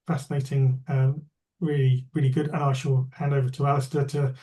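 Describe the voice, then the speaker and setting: Mellow-voiced man giving polite remarks. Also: medium pitch, level tone, fairly quick. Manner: polite, fillers and repeats. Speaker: chief executive. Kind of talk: closing remarks in a meeting.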